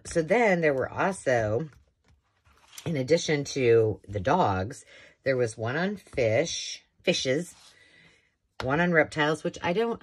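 A woman's voice: low-pitched, breathy edge. A woman hosting a casual show-and-tell of thrifted books, chatty and rambling with enthusiastic asides, filmed indoors at a craft table. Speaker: craft channel host.

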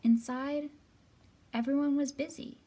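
A woman's voice: high voice, fairly even intonation, a little slow, dark tone. A woman in her thirties hosting a storytime for young children, speaking expressively as she talks and reads aloud. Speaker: children's library storytime host. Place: library room with bookshelves, indoors.

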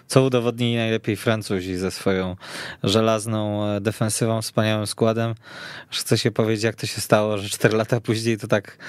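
A man hosting a sports discussion on a radio show, phrasing things hesitantly with frequent pauses. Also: fairly low pitch, smooth, no echo. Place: radio studio.

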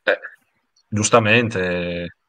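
A man's voice: lowish voice, steady tone, drawn-out words, pushed and bright, no echo. A man giving casual live commentary as a panelist on an anime watch-along. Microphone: video call.

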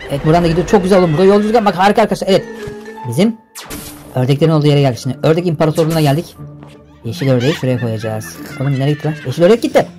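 Fast excitable gaming commentator man. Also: on the high side, soft background music. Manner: energetic, exclamatory, slangy. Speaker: gaming YouTuber.

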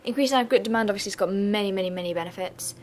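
A young woman, hoarse and losing her voice, giving a chatty revision lesson with casual asides. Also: medium pitch, very fast, a little hiss or hum. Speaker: student revision tutor.

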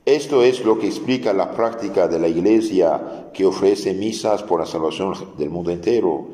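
A man with a low, dark-toned voice teaches catechism to adults at a normal speed. He explains patiently, repeats key phrases to circle back to his main points, and often restarts his sentences. His voice rings out through a large hall with long, roomy reverb.

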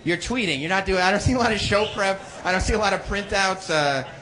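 A man working as a warm-up host on stage, bantering casually and teasing the people around him. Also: sits high, fast. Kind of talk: live crowd hosting, casual banter. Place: stage at a live event. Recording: live venue with crowd noise. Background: audience noise.

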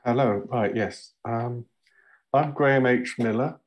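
A middle-aged man with a southern English accent introducing himself on a video call, relaxed and a little hesitant. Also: mid-range voice, a little slow. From Surrey, England. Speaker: author introducing his book. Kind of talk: casual self-introduction.

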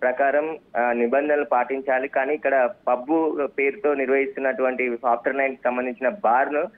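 A man, a field reporter, gives a live news report by phone, rambling at times with filler pauses. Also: medium pitch, fairly even intonation. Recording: tinny phone line.

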